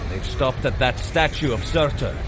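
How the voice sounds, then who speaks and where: An actor playing a valiant, watchful thunder god in an audio drama, speaking in a grand, formal and earnest way. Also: male voice, medium pitch, lively intonation, moderate pace, noisy background, close to an everyday voice. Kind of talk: audio drama fitness adventure acting.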